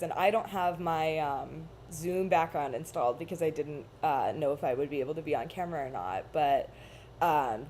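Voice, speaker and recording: A young adult woman with a low, mellow voice chats casually on a video call as a cast member of a charity reading livestream. She rambles thoughtfully and often laughs at herself, with slight background noise.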